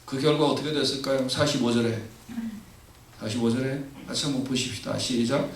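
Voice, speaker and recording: A middle-aged man from Korea preaching a lively sermon as a pastor, acting out dialogues and leading his congregation in reading. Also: medium pitch, brisk, slight background noise. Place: church sanctuary. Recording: echoey church hall mic from a distance.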